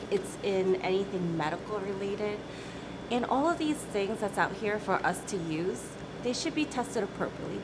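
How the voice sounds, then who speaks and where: Female CEO guest, late 30s, chatty and upbeat, noisy recording. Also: medium pitch. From South Korea. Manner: chatty, laughs easily, says "right?" often. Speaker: company CEO, interview guest. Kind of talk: casual interview talk.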